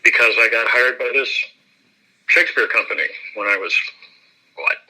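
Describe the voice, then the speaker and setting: Bright-voiced actor chatting, laughing easily. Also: male voice, medium pitch, normal speed, rough recording. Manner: chatty, self-deprecating, laughs often. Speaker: actor, interview guest. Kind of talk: relaxed interview chat.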